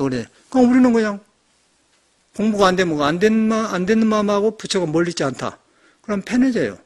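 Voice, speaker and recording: An older man, a Buddhist monk, giving a lively, storytelling sermon in a temple hall. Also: sits high. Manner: animated storytelling, acting out shouted quotes.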